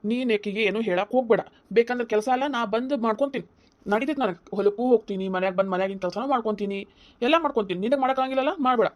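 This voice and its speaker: Woman doing a young husband guy, north karnataka kannada accent, scolding nonstop, rapid fire, slightly high. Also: lightly acted. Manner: scolding, insistent, lecturing. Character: heated young husband defending his wife against his mother.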